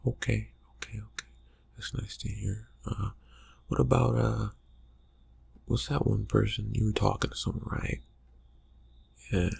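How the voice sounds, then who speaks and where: A man playing a brooding, distracted vampire friend in an ASMR roleplay, murmuring in halting, husky phrases that trail off. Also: flat delivery, darkish tone, heavily acted. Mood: casual, teasing. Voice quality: breathy, husky, gravelly low murmur. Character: brooding, distracted young male vampire friend, slyly teasing. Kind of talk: ASMR roleplay, improvised soft talk to the listener.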